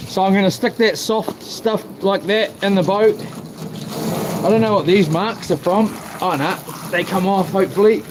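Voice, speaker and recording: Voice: medium pitch, moderate pace. Broad Kiwi accent, noisy casual vlog chat. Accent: broad New Zealand. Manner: laid-back, slangy. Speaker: home vlogger. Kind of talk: casual chat while doing chores. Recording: clearly noisy amateur recording.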